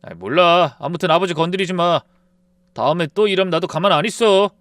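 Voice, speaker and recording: A curt, annoyed husband , as a male narrator does him, brushing off his wife in a storybook drama. He talks louder and somewhat higher than the narrator's usual voice. The tone is smooth and clear, recorded dry. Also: a little fast, no room sound. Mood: irritated. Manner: curt, loud. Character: dismissive, irritable husband siding with his father.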